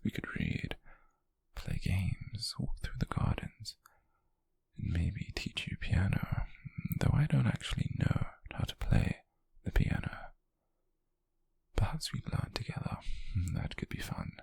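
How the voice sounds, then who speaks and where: A British man playing a possessive, wealthy young yandere in an ASMR roleplay, coaxing haltingly in a breathy, husky whisper with soft menace. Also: low voice, huge pitch swings, no room sound, exaggerated voice. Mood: polite, musing.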